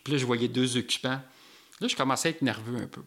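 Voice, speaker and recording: A man with a Québécois French accent, telling a personal story in an animated way with local slang. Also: medium pitch, fast talker.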